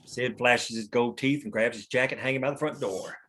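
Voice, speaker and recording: A man's voice: medium pitch, brisk, fairly bright tone, slight background noise. A man reading stage directions as scripted narration at a table read.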